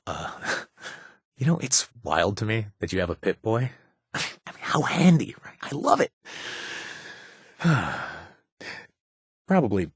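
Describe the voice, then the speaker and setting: A husky ex-raider companion. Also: male voice, medium pitch, no room sound, clean studio sound. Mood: teasing. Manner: wry, punning, self-deprecating. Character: male ex-raider wasteland companion, remorseful, wry. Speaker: game companion character. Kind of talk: video game voice acting. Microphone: studio mic, dry booth.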